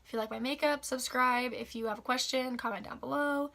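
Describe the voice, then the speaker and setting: A young woman with a raspy, slightly hoarse voice after the flu, chatting casually through a makeup tutorial. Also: high-pitched, steady tone, fairly quick, fairly bright tone. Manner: chatty, upbeat, filler-heavy. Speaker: beauty vlogger.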